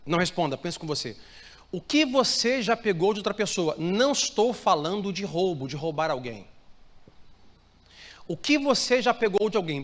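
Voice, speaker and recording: A Brazilian Portuguese-speaking male pastor preaching a sermon to a live congregation, asking them to repeat phrases and answer him. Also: high-pitched. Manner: preaching with call-and-response prompts to the congregation. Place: church hall with live congregation. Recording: reverberant church hall, soft music.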